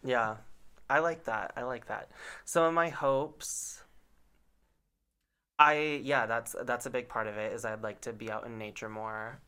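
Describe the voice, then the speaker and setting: A man's voice: mid-range voice, fairly even intonation, unhurried, bright, forceful tone, clear, resonant tone. A man co-hosting a podcast, chatting casually and backing up his friend with frequent agreement. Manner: supportive, frequent agreeing murmurs. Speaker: podcast co-host. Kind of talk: casual chat.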